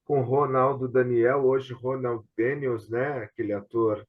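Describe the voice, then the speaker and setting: A man's voice: mid-range voice, steady tone, measured pace. Brazilian man, dull video-call sound. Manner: explanatory, often seeking agreement with tag questions. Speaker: host and theatre director. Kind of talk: casual online discussion.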